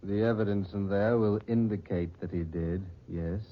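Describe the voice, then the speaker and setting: An actor playing a solemn, cryptic masked man in black, measured and ominous, in old-time radio drama style. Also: lowish voice, natural voice. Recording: muffled vintage radio recording.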